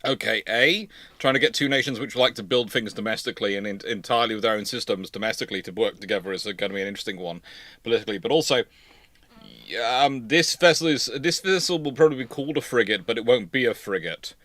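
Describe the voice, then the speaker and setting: Bright-voiced man hosting a live stream. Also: medium pitch, fast, no echo. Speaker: host of a live naval history Q&A stream. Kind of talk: casual live chat, answering viewer questions.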